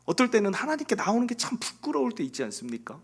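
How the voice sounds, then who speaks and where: A male pastor preaching from the pulpit of a church, his voice set high for a man and leaping up and down with great liveliness. He talks earnestly and confessionally, pushing some phrases out loud and letting others drop to a near whisper. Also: wildly swooping pitch, fast, husky. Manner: dramatic delivery swinging from loud emphasis to hushed, near-whispered lines. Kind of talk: sermon.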